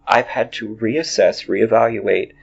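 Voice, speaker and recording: Gravelly-voiced man in his forties. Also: on the low side, unhurried. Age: 40s. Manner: rambling, many restarts. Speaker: podcast host. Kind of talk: casual chat. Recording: dull lo-fi audio.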